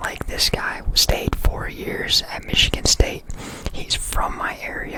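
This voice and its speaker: A man is whispering at a fairly slow pace. Noticeable background noise can be heard. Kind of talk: ASMR story time, casual personal storytelling. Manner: whispered, soft, rambling.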